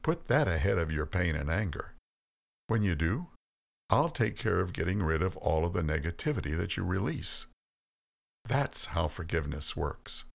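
A man's voice: low voice, very animated, normal speed, creaky, heavily acted. A man voicing a patient, fatherly God. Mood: pleading, earnest. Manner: earnest, pleading, gently firm. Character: patient, compassionate male God, fatherly and firm. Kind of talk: storybook reading.

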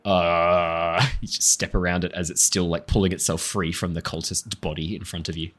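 A man's voice: sits low, level tone, moderate pace, fairly bright tone. A man narrating a tabletop role-playing game as game master, agreeable and affirming towards his players. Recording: music underneath.

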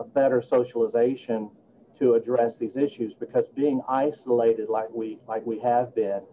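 A man's voice: mid-range voice, dull audio, slight background noise. A man in his late fifties, a guest attorney talking earnestly and reflectively in a podcast interview. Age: 50s.

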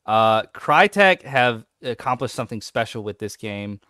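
In a clean studio recording with no room sound, a man co-hosts a podcast, speaking at normal speed and medium pitch. The chat is casual, and his enthusiasm builds until he gets animated when excited.

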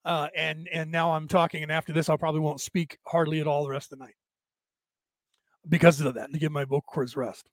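A man with a raspy, tired, worn-out voice, talking casually and haltingly as he hosts a rambling livestream and answers listeners. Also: fairly high pitch, flat delivery, dry recording. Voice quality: raspy, damaged-sounding voice from long-standing vocal cord trouble. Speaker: host of a spiritual talk livestream.

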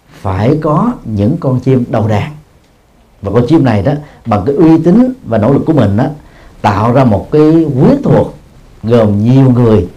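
Mellow-voiced monk giving a dharma talk. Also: male voice, medium pitch. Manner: explanatory, peppers phrases with a drawn-out filler, chuckles at himself. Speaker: Buddhist monk teacher. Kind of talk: dharma talk answering questions. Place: Buddhist practice hall in Japan.

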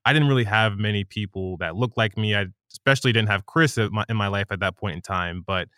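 A man's voice: lowish voice, fast, bright, forceful tone, clear, resonant tone, no room sound, clean studio sound. A man co-hosting a podcast, asking questions and affirming the guest in a conversational way. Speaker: podcast co-host. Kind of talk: conversational interview.

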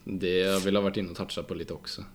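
A laid-back man with a very low voice, co-hosting a hockey podcast. He talks in an easygoing, agreeable way, often just backing up his partner. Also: little pitch movement. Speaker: hockey player and podcast co-host. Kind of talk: casual chat.

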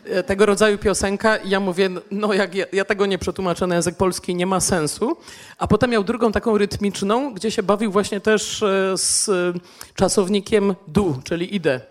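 A woman's voice: medium pitch, fairly even intonation, normal speed. A woman from the Czech Republic, a song translator on a discussion panel, speaking with a Czech accent as a non-native speaker and explaining things with hesitant fillers.

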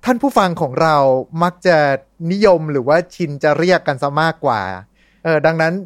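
Man, slightly high voice, teasing podcast host, dry sound. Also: very animated, moderate pace, no room sound. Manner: teasing, asks questions. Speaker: podcast host asking questions. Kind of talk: casual podcast chat.

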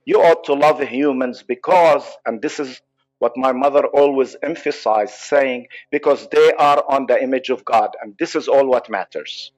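A man with a Palestinian Arab accent, a psychologist guest on a podcast interview, speaking earnestly with halting restarts. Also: medium pitch, poor audio. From Israel.

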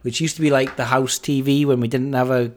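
A man's voice: medium pitch, steady tone, brisk. A man giving an unscripted, casual podcast monologue as host, rambling and interrupting himself, talking over a fan in a home office. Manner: rambling, self-interrupting, mildly sweary. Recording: voice over fan noise, faint music. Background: fan running nearby, television on.

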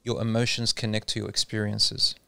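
Male Islamic speaker in a relaxed chat, explains patiently with anecdotes, gravelly and resonant, dry recording. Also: fairly low pitch, fairly quick, dry recording. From Australia. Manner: explains patiently, tells anecdotes, mixes in Arabic terms. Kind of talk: casual religious discussion.

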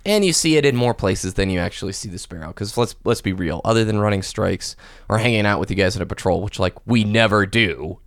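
A man's voice: on the low side, fairly quick, no echo, clean studio sound. A man hosting a casual gaming podcast, chatting with his co-host and reading listener posts aloud.

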